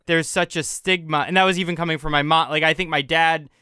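A man's voice: on the high side, fairly even intonation, fast, pushed and bright, clear, resonant tone, no echo, clean studio sound. A man talking in a casual, reflective way, using lots of "like" as fillers. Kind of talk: casual conversation.

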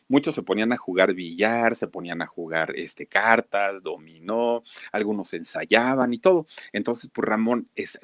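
A man's voice: medium pitch, dry recording. A man telling a story in a folksy, casual way, talking directly to his listeners.

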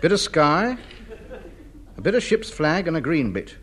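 A man's voice: fairly high pitch, very animated, measured pace. An actor in a 1950s radio comedy playing a fussy, pompous man who hoards junk. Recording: old radio recording, noisy.

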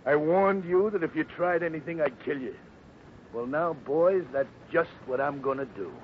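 Desperate outlaw for male actor: high voice, slangy, cocky and threatening, 1950s radio western, muffled old recording. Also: expressive, moderate pace, slight background noise, close to an everyday voice. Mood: menacing. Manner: threatening, slangy, uneducated speech. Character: snarling desperate outlaw gunman, bullying and cocky.

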